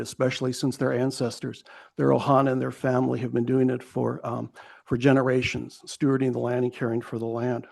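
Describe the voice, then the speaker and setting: A man's voice: a little high, vocal fry, a little mellow. A man in his fifties from Hawaii, a pastor giving an earnest public comment at a county hearing, often restarting phrases and telling a short story along the way. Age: 50s.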